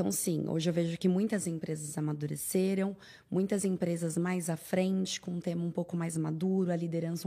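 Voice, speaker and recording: A woman talks at a moderate pace in a medium pitch. Her tone is dark and mellow. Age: 30s. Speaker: diversity and inclusion manager. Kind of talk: podcast interview.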